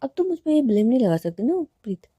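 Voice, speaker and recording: A woman's voice: a little high, very animated, fast talker, mellow, husky, no room sound, studio quality. A woman voicing a playful, teasing young woman in love who coaxes and plays with words. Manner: teasing, coaxing, wordplay.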